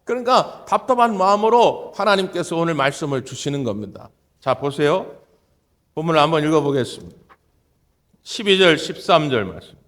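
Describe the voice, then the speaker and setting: Emphatic preaching man, fairly high voice. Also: sing-song, fairly quick, fairly bright tone. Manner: emphatic preaching with repeated phrases and sudden rises in pitch and volume. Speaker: pastor. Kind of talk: sermon. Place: church sanctuary.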